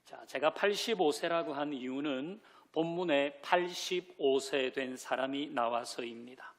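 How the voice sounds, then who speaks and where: A man's voice: a little high, measured pace. A man preaching a Sunday sermon as pastor, who asks the congregation questions, leads them in reading scripture and drops in light joking asides. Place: church sanctuary.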